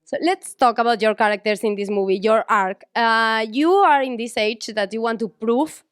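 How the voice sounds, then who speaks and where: A woman's voice: on the high side, clean tone. Spanish-accented woman interviewer. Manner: halting, searching for English words. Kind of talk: press junket interview.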